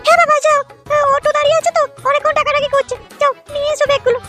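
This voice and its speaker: A woman's voice: very high voice, fairly even intonation, racing, over music. A woman playing a dutiful, homely married daughter in a comedy cartoon, plain-spoken. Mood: welcoming.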